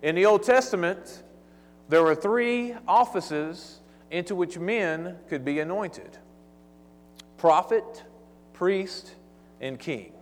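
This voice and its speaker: A man's voice: sits high, takes it slowly, long pauses. A man with an East Texas accent giving a casual, folksy sermon-style Bible lesson, talking conversationally and sometimes stumbling over his words. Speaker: Bible teacher. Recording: long hall reverb.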